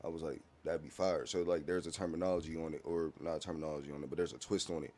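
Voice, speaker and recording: A very low-voiced man chatting as a podcast guest about his music. His talk is loose and slang-filled, and he keeps checking in with his listener. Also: steady tone, racing, dark tone. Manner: laid-back, slang-heavy, often asks "you feel me". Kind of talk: casual podcast conversation.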